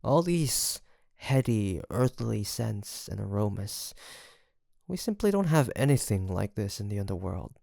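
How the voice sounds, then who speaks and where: A man's voice: fairly low pitch, big pitch swings, measured pace, creaky, a little mellow, no echo, studio quality, exaggerated voice. A man playing a seductive, teasing incubus demon in an intimate audio roleplay, with a theatrical, flirtatious drawl and a smug, sweet-talking manner. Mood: savoring, wry.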